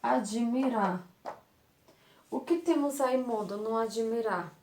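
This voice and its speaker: A woman's voice: fairly high pitch, slow, a little hiss or hum. A Brazilian woman teaching a lesson to young children, affectionate and patient, repeating words and asking rhetorical questions. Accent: Brazilian Portuguese.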